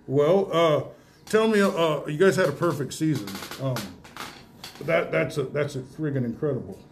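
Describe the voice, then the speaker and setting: Folksy, halting male radio host, some background noise. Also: a little high. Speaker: radio host interviewing high school athletes. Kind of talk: casual awards interview. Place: indoor room with guests present.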